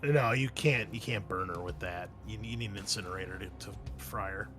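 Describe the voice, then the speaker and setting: A man's voice: fairly low pitch, fairly quick, fairly bright tone. A man acting as game master, narrating scenes and calling for rolls in a tabletop roleplaying game. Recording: faint music behind the voice. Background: music.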